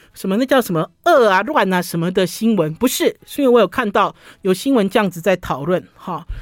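A woman with an ordinary speaking voice talks at a fairly quick pace, medium in pitch with lively intonation. The very clean recording sounds dry and close, with no echo and a silent background. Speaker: radio host. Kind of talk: radio food talk show monologue. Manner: chatty with many fillers.

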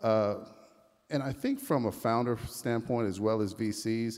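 A man with an American accent uses a normal speaking voice at a moderate pace, his pitch fairly low and his intonation fairly even. The recording is very clean, with a silent background. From US South.

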